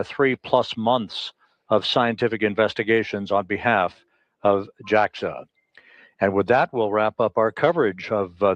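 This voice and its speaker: Man, fairly low voice, mission control commentator, measured official delivery, slightly muffled dry audio. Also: no room sound. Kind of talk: live spaceflight commentary.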